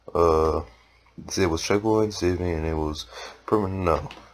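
A man speaks in a very deep, low pitch at a moderate pace. His pitch varies in an ordinary way, with noticeable background noise behind him. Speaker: video game YouTuber. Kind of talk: casual gameplay commentary. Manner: casual, hesitant.

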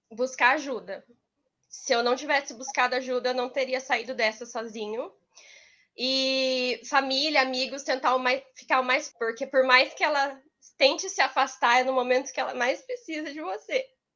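Against a quiet background, a woman with a high pitch speaks at a moderate pace with fairly even intonation. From Brazil, Londrina, Paraná. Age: 20s. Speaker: teacher. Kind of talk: testimony. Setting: live stream. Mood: emotional, grateful, smiling. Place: home room. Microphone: headset.

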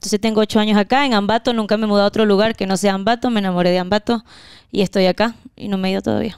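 Delivered at a very fast pace with fairly even intonation, the speech is dry with no echo over a quiet background. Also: woman. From Venezuela, Caracas (Petare); Venezuela. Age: 20s. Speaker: Venezuelan migrant guest; guest. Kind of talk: casual interview. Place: home room. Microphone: handheld.

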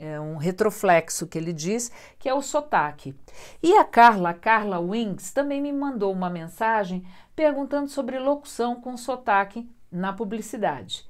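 Against a quiet background, a woman talks at a fairly slow pace in a fairly high voice, with very wide pitch swings and big swings in loudness. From Brazil. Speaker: voice-over artist and coach; voice-over coach, vlogger. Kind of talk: vlog advice to followers. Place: home room. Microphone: lapel.

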